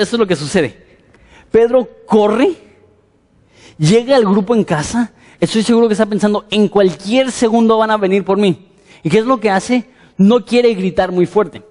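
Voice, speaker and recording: Preacher guy, kinda high voice, tells the story in a lively way, echoey church. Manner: lively storytelling, asks the listeners questions. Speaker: pastor. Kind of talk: sermon. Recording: echoey hall.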